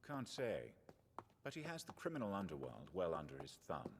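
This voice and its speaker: An actor playing a formal, dutiful royal attendant in an anime dub. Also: male voice, low-pitched, huge pitch swings, normal speed, background noise. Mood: formal, matter-of-fact.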